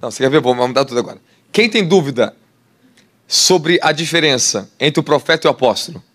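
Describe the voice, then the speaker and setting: A man with a Brazilian Portuguese accent preaching a sermon, animated and laughing, putting questions to the congregation. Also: medium pitch, quick pace. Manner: animated, asks the crowd questions, laughs often. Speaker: apostle preacher. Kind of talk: sermon teaching.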